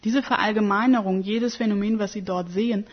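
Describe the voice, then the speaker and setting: A woman's voice: medium pitch, steady tone, brisk. Woman, thirties, scholar, radio interview, emphatic, hesitant, slightly dull sound. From Germany. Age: 30s.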